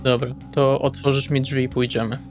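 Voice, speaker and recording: A man's voice: mid-range voice, flat delivery, normal speed. A man taking part in a tabletop roleplaying game with casual, in-character planning talk. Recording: background music with guitar. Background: guitar music.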